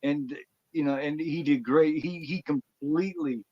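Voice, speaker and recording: A man from Indiana, a former wrestler, telling animated, rambling stories as an interview guest and often repeating words. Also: on the high side, a little slow, no echo, highs cut off. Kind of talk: casual storytelling.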